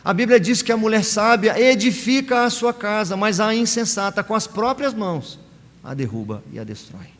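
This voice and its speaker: A male pastor with a Brazilian Portuguese accent preaching a sermon, pausing often and acting out short quoted lines. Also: sits high, animated, fairly bright tone. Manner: preaching with many pauses and acted quotes. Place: church sanctuary. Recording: long hall reverb in church.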